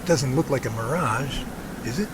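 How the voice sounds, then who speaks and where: A man's voice: medium pitch, lively intonation, normal speed, heavy background noise, close to an everyday voice. A man playing an earnest, anxious twenty-seven-year-old survey worker in an amateur radio drama. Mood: bewildered.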